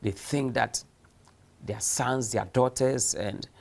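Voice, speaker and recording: Speaking slowly with fairly even intonation, a man whose medium-pitched voice has vocal fry and a darkish tone gives a recorded distance-learning lecture. His delivery is emphatic, full of rhetorical questions and acted-out examples.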